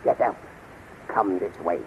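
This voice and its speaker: An actor playing a cruel, commanding henchman of a witch queen, gravelly and threatening, in 1930s radio serial style. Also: low-pitched, unhurried. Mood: sinister, gloating. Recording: muffled, noisy 1930s radio recording.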